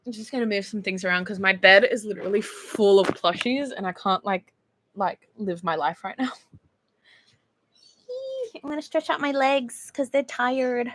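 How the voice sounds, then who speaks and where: An Australian woman, a singer chatting casually on a livestream from her bedroom, bubbly and animated as she reads fan texts. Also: mid-range voice, normal speed, slight background noise.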